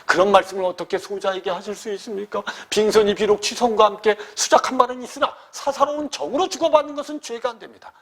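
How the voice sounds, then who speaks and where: A man's voice: sits high, fairly even intonation, fast, few pauses, a bit bright. A man voicing a dutiful young son who pleads tearfully and formally with his mother. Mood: pleading.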